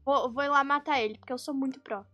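A young Brazilian woman gives excitable game commentary in a very high, bright voice over background music. She is dramatic and easily scared as a streamer, exclaiming and repeating short phrases as she plays. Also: fast. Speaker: gaming streamer.

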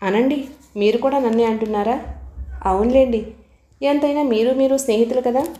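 A bitter, indignant husband, sarcastic and quick to anger, read by a woman narrator. The voice sits fairly high and sounds mellow, with a roomy echo around it. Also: natural voice. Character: angry, bitter man, a wronged husband.

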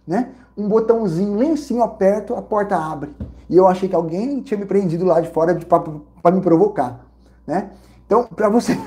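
A Brazilian man vlogging casually, telling an animated, repetitive story with lots of exclamations. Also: high-pitched. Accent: Brazilian Portuguese. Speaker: vlogger reviewing credit card perks and hotels.

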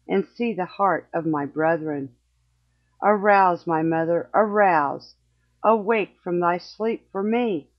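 A young man wails at his mother's grave, as a reader puts him on, begging her to wake in slow, old-fashioned phrasing. The plea is drawn out and unhurried. It comes through a slightly dull, muffled recording. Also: medium pitch, no room sound, natural voice. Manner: pleading, lamenting in archaic speech. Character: young man Joseph, a grieving sold slave.

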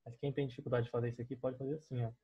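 A young Brazilian man with a Brazilian Portuguese accent teaches an online math class, explaining on a digital board through a screen recording. He speaks very fast in a level, mid-range voice with a breathy edge, yet explains each step patiently and often checks in with students. The audio is dull.

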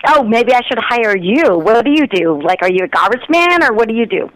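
A woman's voice: fairly high pitch, very animated, fairly quick. A woman arguing on a phone call, indignant and sarcastic, as the target of a prank call. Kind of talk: angry phone argument.

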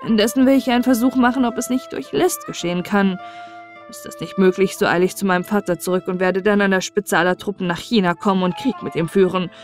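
A woman's voice: mid-range voice, fast, faint music behind, close to an everyday voice. Formal young storybook prince, read by a woman. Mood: urgent. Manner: formal, declaiming storybook speech. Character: young prince posing as a wise, solemn astrologer.

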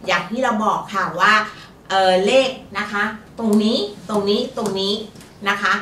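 A woman's voice: medium pitch, moderate pace, a bit bright. A woman co-hosting a fortune-telling show, chatting politely and giving lottery tips. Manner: polite, chatty, frequent particles. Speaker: fortune teller co-host. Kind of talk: casual lottery-tip talk. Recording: roomy, distant mic, faint noise.

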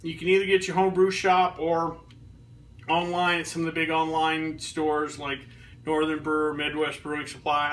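A man in his thirties reviewing beer in a relaxed, rambling way, with lots of ums and restarts, filmed in his home kitchen. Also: on the high side, distant mic, slight background noise, poor audio. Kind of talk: casual beer review vlog. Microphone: fixed camera a few feet away.

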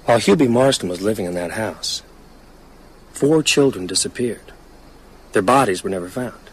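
Radio drama brooding male writer: lower register, hesitant, reflective, haunted, with atmosphere behind the voice. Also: expressive, moderate pace, breathy edge, poor audio. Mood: grave, storytelling. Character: thoughtful, haunted male novelist confiding his fears. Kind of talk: naturalistic radio drama dialogue.

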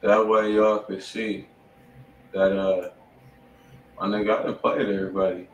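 A man's voice: fairly low pitch, level tone, unhurried. An American man hosting a music review livestream, chatting casually in slangy, profane talk. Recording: echoey room, distant mic, faint noise.

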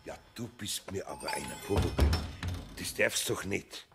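An actor playing a kindly middle-aged Bavarian carpenter in a radio play, muttering to himself and bursting into exclamations. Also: male voice, low voice, lively intonation, normal speed, gravelly, over loud music. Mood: scolding.

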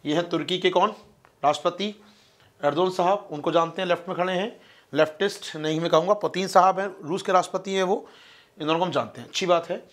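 A man teaching an online exam-prep class, talking fast, asking questions and answering them himself. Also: high voice. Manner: fast-talking, keeps calling listeners friends. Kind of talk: online lecture explaining a map.

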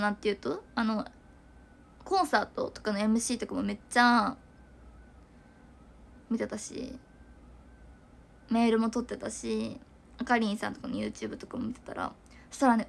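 A woman's voice: on the high side, vocal fry, a bit bright. A young woman chatting casually to viewers on a livestream, giggling and rambling with lots of fillers. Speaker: idol livestreamer.

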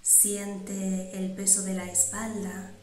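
A woman guiding a meditation in calm, measured instructions with pauses between phrases. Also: medium pitch. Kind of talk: slow, soothing guided meditation. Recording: roomy, echoing sound.

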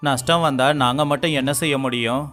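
A man voicing every male figure in a cartoon village story, in an even, scripted delivery. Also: mid-range voice, fairly quick. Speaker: voice actor for all male figures. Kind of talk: scripted dialogue of an animated moral story. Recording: faint music underneath.

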